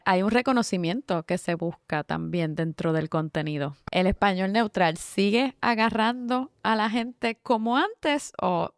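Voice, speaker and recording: A woman's voice: medium pitch, a little slow, few pauses, no echo, clean studio sound. A woman co-hosting a podcast, chatting animatedly and laughing often. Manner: animated, laughs often while telling anecdotes. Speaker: podcast co-host. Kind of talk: casual conversational podcast chat.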